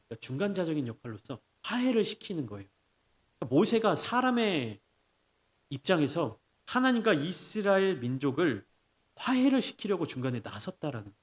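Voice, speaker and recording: A man preaching a sermon as pastor, explaining step by step, asking rhetorical questions, and rising to emphatic peaks before dropping to soft asides. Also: on the high side. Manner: animated preaching, swings between raised emphatic lines and soft drops.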